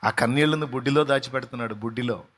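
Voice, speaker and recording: A man preaching a sermon as pastor, swinging between loud fervent exhortation and quiet pleading. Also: mid-range voice, racing. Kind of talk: Telugu sermon with sung opening.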